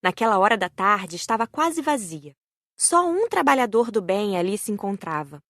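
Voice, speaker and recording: A Brazilian woman reading scripted audiobook narration in a measured storytelling manner. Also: medium pitch, big pitch swings, a bit bright, no room sound, studio quality.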